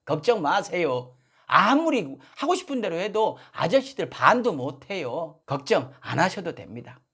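Sarcastic man, lively pitch swings. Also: normal speed, slightly rough. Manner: sarcastic, mock-polite, with rising indignant outbursts. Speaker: political commentary host. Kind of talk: satirical political monologue.

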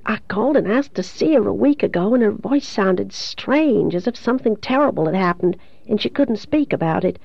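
A woman's voice: mid-range voice, animated, normal speed, vocal fry, hardly any pauses, no echo, muffled recording. A woman voicing a grief-stricken, devout young man in love in an audiobook, earnest and pleading. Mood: anguished, adoring.

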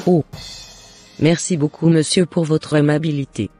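A woman voicing a gentle, plaintive, devout shopkeeper mother in a Christian cartoon. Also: sits low, fairly even intonation, normal speed, breathy edge, faint music behind. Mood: grateful. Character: long-suffering, devout, hard-working shopkeeper mother. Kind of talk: French Christian cartoon dialogue.

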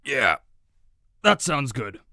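A man playing a gruff, put-upon minion guard in an audio roleplay, with blunt, slangy speech. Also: mid-range voice, sing-song, slow, bright, forceful tone, no room sound, studio quality, heavily acted. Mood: resigned. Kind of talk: audio roleplay drama acting.

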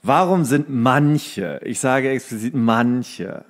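A man's voice: medium pitch, slow. A man co-hosting a podcast in a casual, conversational style. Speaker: podcast co-host. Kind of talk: casual chat.

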